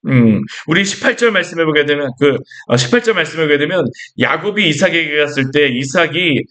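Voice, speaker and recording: A man's voice: on the high side, lively intonation, fairly quick, bright, forceful tone. A male pastor preaching a sermon in a conversational way, asking his listeners rhetorical questions and acting out lines from scripture.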